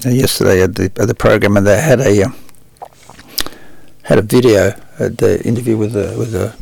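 A man co-hosting a radio show, speaking haltingly with many repeated words and fillers. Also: lowish voice, creaky, darkish tone, a little hiss or hum. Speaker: radio co-host. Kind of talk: radio panel discussion. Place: radio studio.

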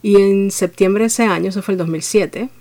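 A woman from Venezuela with a Venezuelan accent, telling her story as an interview guest in a reflective, steady way with frequent fillers. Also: medium pitch, moderate pace.

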